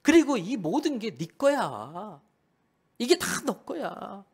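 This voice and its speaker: A man voicing a gentle older father who coaxes his angry son in a soft, slow manner. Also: high voice, big pitch swings, creaky, husky, full character voice. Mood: tender pleading.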